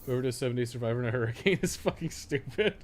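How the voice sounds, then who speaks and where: A man's voice: medium pitch, animated, fast talker, slight background noise. A young man chatting casually as he streams a game, rambling and swearing, with an easy laugh. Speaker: game streamer, podcast co-host. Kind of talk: casual chat while gaming live.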